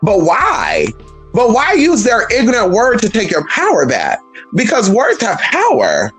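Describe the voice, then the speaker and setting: Sassy, lively trans woman vlogger. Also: a little high, measured pace, husky, soft background music. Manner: sassy, blunt, profane; animated, emphatic. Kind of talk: casual vlog rant.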